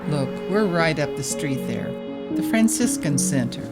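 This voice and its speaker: An actress playing a kindly, patient Catholic sister in an audio drama, explaining things gently. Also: female voice, low voice, big pitch swings, unhurried, over loud music, full character voice. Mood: welcoming.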